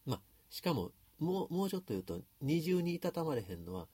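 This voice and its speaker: A man's voice: a little high, sing-song, fairly quick, warm tone, breathy edge, dry recording. A man with a Kansai accent thinking aloud as he talks through a song's lyrics in a casual, explanatory way. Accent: Kansai Japanese. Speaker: music commentator. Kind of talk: casual talk analyzing song lyrics.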